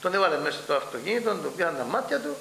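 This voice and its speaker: An older man with a Cypriot Greek accent, recalling past events in an oral history interview and acting out the dialogue as he tells it. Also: fairly high pitch. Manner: animated storytelling, acts out dialogue. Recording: echoey room with faint hum.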